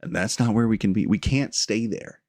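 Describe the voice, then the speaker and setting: Earnest low-voiced man teaching. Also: darkish tone, dry recording, clean studio sound. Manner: earnest, reflective, with fillers and pauses. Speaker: spiritual teacher. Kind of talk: informal spiritual teaching.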